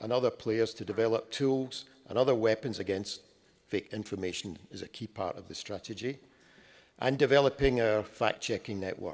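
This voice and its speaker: Here a man in a Glasgow accent speaks at a moderate pace, medium in pitch with ordinary pitch variation. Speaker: news agency editor and speaker. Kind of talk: conference talk. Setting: conference stage with audience.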